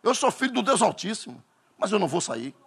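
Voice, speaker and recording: A man's voice: high-pitched, big pitch swings, quick pace, slightly rough, pitched above the performer's own voice, heavily acted. A Northeastern Brazilian preacher voicing a boastful, defiant male demon in a sermon story. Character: bold taunting male demon.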